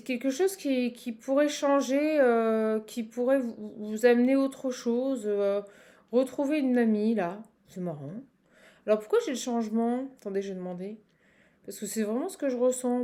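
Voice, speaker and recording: A woman's voice: fairly high pitch, mellow. A woman with a Parisian French accent giving a casual improvised card reading to viewers, chatty and exclamatory, repeating herself and breaking off mid-thought. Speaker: tarot card reader and channel host.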